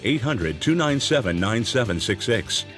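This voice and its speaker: Deliberate male ad announcer. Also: lowish voice, lively intonation, fairly bright tone, soft background music. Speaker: advertisement announcer. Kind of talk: scripted ad read.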